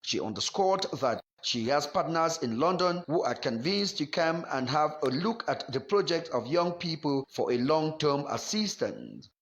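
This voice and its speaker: A man's voice: a little high, big pitch swings, normal speed, few pauses, a bit bright. Man reading a formal news report. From Cameroon. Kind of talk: scripted news report voice-over.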